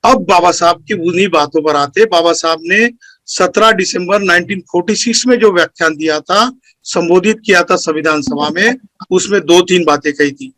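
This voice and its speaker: Speaker, male, high voice, dry close sound; earnest, lecturing delivery, point by point. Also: moderate pace, fairly bright tone, no room sound. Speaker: speaker at a community meeting. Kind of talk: formal speech.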